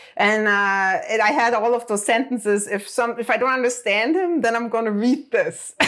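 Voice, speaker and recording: The voice belongs to a woman with a German accent. Her pitch is fairly high, with ordinary variation. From Germany. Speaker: rigging artist and animation studio executive. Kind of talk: interview. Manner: hesitant, many fillers.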